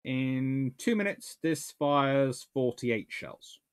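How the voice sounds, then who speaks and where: A smooth, expressive mid-range voice moves at a slow pace. It belongs to a naval historian answering viewer questions live and casually from his book-lined home study, rambling and self-correcting as he thinks.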